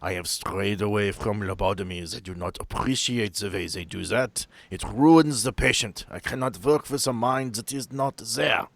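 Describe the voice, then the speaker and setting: A man voicing a measured, detached male asylum doctor who talks in a formal, precise way. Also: on the low side, creaky, fairly bright tone, no room sound. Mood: coolly formal.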